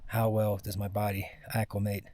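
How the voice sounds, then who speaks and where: A man giving a casual first-person vlog monologue, sounding exhausted, with a weary, halting, rambling way of talking. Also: lowish voice, monotone, mellow. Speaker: mountain climber recording a personal expedition vlog.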